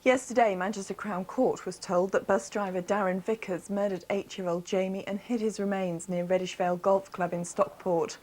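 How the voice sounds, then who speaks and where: A woman presenting regional television news, reading scripted bulletins in a formal, measured way. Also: medium pitch, fairly even intonation, a little mellow.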